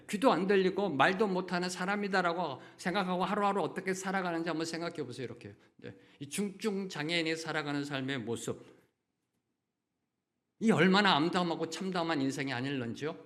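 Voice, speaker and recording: Man, middle-aged pastor, sermon, slightly high voice, rhetorical questions, frequent affirming fillers. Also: brisk. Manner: acts out brief quoted voices, at times shouting.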